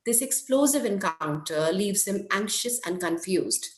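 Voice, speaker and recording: A woman presenting an academic paper, reading it aloud in a measured, careful way. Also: mid-range voice, lively intonation. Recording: echoey room.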